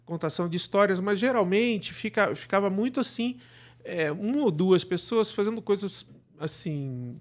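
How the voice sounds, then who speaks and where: A middle-aged Brazilian man talks as a guest in a casual interview. His voice sits a little high for a man. He explains things discursively, often checking in with short tag questions. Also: expressive, normal speed. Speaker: interview guest, actor and podcast producer. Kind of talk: casual conversational storytelling.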